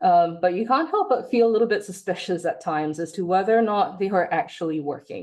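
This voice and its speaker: Talking at a fairly quick pace with hardly any pauses, a woman uses a normal speaking voice at a medium pitch. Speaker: UN independent expert and academic. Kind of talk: webinar lecture. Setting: webinar with live interpretation.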